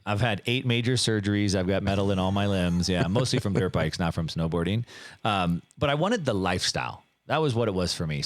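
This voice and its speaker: A middle-aged man telling his life story in a casual interview, animated and full of fillers and restarts. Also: lowish voice, dry recording. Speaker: guest.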